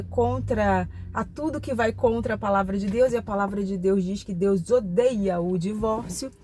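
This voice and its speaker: This Brazilian woman in her forties hosts a channel and chats with her viewers in a casual personal vlog, reflective and confiding, tossing in many tag questions. Her voice sits fairly high and is a little mellow, with slight background noise and a Brazilian Portuguese accent.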